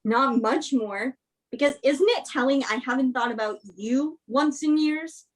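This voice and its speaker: Actress doing bitter young woman in a play reading, high husky voice, sarcastic and ready to fight. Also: measured pace, poor audio. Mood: angry, defensive. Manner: confrontational, sarcastic. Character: Emma, bitter, guarded religious young woman. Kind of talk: virtual staged play reading.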